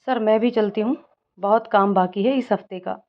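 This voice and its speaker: A woman's voice: medium pitch, moderate pace, highs cut off, close to an everyday voice. A woman reading a polite young office worker. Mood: evasive.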